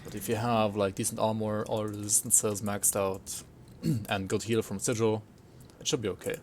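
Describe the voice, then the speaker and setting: A man's voice: fairly low pitch, flat delivery, moderate pace, a little mellow, a little hiss or hum. A man who spent part of his childhood in Sweden gives casual game commentary as a streamer. He rambles loosely, ends thoughts with a tag question and chats with viewers as he plays. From partly raised in Sweden. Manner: chats with viewers while playing.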